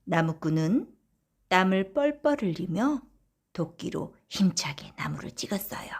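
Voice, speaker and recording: A woman narrating children's bedtime folktales in an expressive storyteller's manner, addressing young listeners. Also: lowish voice, unhurried, vocal fry, husky. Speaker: audiobook narrator.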